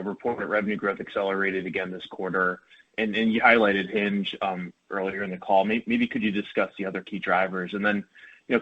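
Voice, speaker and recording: A husky man with a lowish voice speaks as an analyst on an earnings call. The line is dull and lo-fi. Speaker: financial analyst asking a question. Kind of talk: spoken question on earnings call. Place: phone call. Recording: muffled lo-fi phone line.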